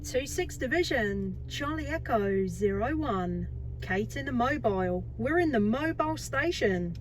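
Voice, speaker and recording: A woman's voice: a little high, expressive, unhurried. A woman radio operator making call-outs and exchanges from a mobile CB station. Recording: noisy CB radio transmission.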